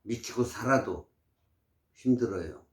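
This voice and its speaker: A man's voice: lowish voice, animated, measured pace. A man in his sixties giving health advice in casual, emphatic, preachy talk to camera. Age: 60s. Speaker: vlogger. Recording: roomy echo.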